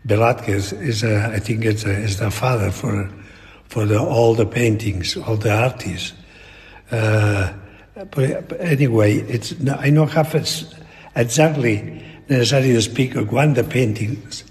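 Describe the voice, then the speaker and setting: Very old Spanish man, slow and halting. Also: mid-range voice, darkish tone. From Spain. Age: elderly. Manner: halting, searching broken English with repeated words. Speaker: painter being interviewed. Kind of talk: reflective interview talk. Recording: long echoing reverb in a hall.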